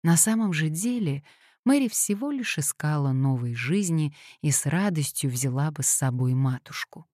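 A woman narrating a literary audiobook in a measured, even reading style. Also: deep voice, dry recording, clean studio sound. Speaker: audiobook reader.

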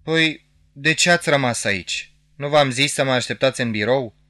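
A man's voice: mid-range voice, bright, forceful tone, voice pushed up, natural voice. A man voicing an offhand young male police major who speaks in a brusque, matter-of-fact way. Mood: impatient.

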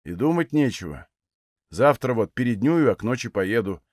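Tired grim cossack soldier, man reading, low and subdued, dry close sound. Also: sing-song, moderate pace, a little mellow, no echo, natural voice.

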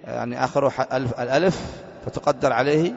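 A man's voice: medium pitch, gravelly, long reverb tail, dull audio. A man teaching an Arabic grammar lesson as a sheikh, reading a text aloud and quizzing his students with questions. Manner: reads a text aloud slowly, then explains it.

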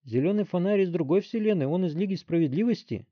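A man's voice: high voice, animated, fast talker, no echo, voice pushed up. A man doing a worried, pleading teenage boy. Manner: plaintive, pleading. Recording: dry, slightly dull recording.

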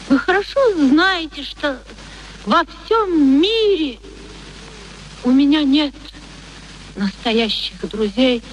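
A woman's voice: sits high, poor audio. An actress playing a proud, passionate young woman in a radio play, theatrical and emotional. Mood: wounded. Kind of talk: Soviet radio play acting. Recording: old radio play recording, faint noise.

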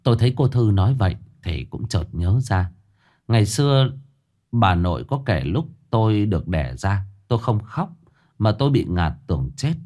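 A man narrating a first-person ghost story in an expressive, unhurried way. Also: on the low side.

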